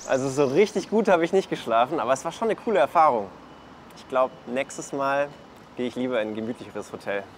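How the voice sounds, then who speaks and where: A man's voice: medium pitch, lively intonation, brisk. A young man presenting a children's reportage, explaining things simply in short, casual sentences. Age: young adult. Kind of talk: lively explanatory narration and casual chat for children.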